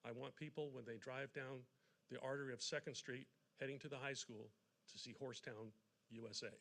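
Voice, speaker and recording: A man addressing a public meeting as a commenter, in plain formal language and deliberate, halting phrases. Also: medium pitch, steady tone, vocal fry, fairly bright tone. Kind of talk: public remarks in a formal but plain register. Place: city council meeting room, at public podium.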